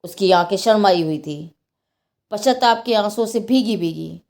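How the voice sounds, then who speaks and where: Woman, storyteller, scripted moral religious narration, expressive, dramatic, medium pitch. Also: moderate pace.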